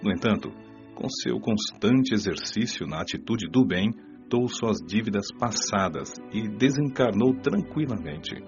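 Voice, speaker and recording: A gentle, wise spirit mentor, acted by a man with a Brazilian accent, speaks in a radio play. His counsel is solemn and didactic, rising and falling widely around deliberate pauses. The sound is dull and lo-fi, with music underneath. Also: lowish voice, animated. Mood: earnest, consoling. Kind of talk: audiobook radio-play dialogue, preaching counsel. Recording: dull lo-fi audio with music behind.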